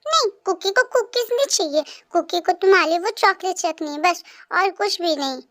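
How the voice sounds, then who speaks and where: A woman's voice: very high voice, expressive, a little fast, fairly bright tone. A woman voicing a grown man with the mind of a five-year-old boy, pouty and clingy, speaking of himself by his pet name, reading a storybook.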